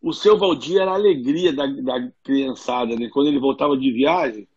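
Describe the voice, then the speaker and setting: A chatty guest from Rio de Janeiro, Brazil, speaking with a Carioca accent, tells stories on a casual video-call interview and laughs often. His medium-pitched voice is husky, a little mellow, and a little fast, and the recording sounds muffled.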